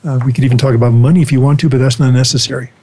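Husky-voiced male interviewer, rambling questions. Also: medium pitch, flat delivery, very fast, dark tone. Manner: rambling, self-correcting questions. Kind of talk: conversational interview.

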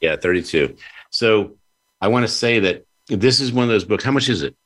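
A man's voice: lowish voice, expressive, normal speed, fairly bright tone. A man hosting a conversational interview, effusive and given to repeating his phrases. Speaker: host; publisher.

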